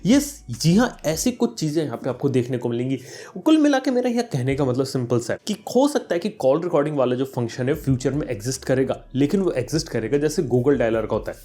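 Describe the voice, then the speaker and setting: Addressing his viewers head-on, this tech vlogger explains topics in a mid-range voice with a dark tone. His commentary is conversational and blends in English terms.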